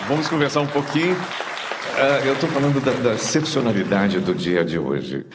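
Man, concert host, formal effusive delivery, lowish voice, long hall reverb, audience noise. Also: slightly rough. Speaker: radio concert program host. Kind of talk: on-stage interview after a concert. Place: theater stage.

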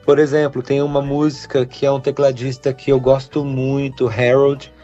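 A young man talks as an interview guest, loose and rambling, full of fillers. His voice sits at an ordinary middle pitch. The audio is a little dull, with soft music underneath. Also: moderate pace. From Brazil. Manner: relaxed, rambling, many fillers like "né". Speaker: guitarist and composer, interview guest. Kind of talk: casual interview chat.

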